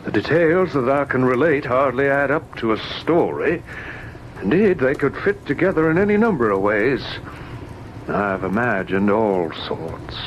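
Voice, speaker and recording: A weary, slow-talking invalid gentleman. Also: mid-range voice, lo-fi sound. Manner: measured, formal, theatrical delivery. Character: weary, irritable invalid rich gentleman, bitter and brooding. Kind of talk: old-time radio drama acting. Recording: noisy old-time radio recording.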